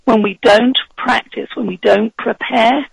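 High husky guy coaching on presentations, real gravelly, dry sound. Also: steady tone, measured pace, dry recording, rough recording. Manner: confident, instructive. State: husky voice from heavy speaking. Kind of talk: advice in a radio interview.

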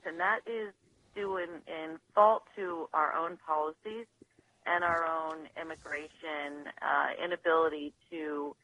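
A woman lawyer, a guest on a radio show, talking over the phone in a measured, analytical way with some hesitations. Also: sits low, pushed and bright, no room sound. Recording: dull phone line, dry.

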